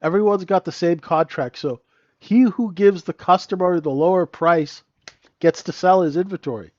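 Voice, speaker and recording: A man's voice: sits high, moderate pace, darkish tone, dry recording, dull audio. A man hosting a live trading room, talking through the chart with a stuffy, nasal voice and sniffling, keeps asking "right?".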